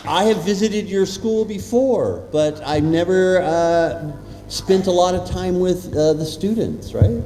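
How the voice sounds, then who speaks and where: A man's voice: sits high, takes it slowly, mellow, faint music behind. An American man speaking playfully to students as a guest speaker, often checking in with questions, in an echoey hall. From California, USA. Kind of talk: interactive motivational talk to students. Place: large echoey room at a school. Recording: echoey hall with long reverb.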